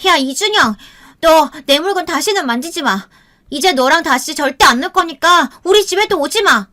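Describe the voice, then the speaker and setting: A defiant little schoolgirl, acted by a woman narrator in an audio storybook. She is loud, upset and petulant, pitched high with animated swings. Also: normal speed. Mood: furious defiance.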